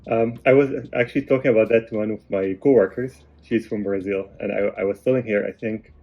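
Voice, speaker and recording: A man, a podcast guest who answers calmly and quietly, with many pauses and fillers. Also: on the low side, lo-fi sound. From Egypt. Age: 30s. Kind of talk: casual interview answers.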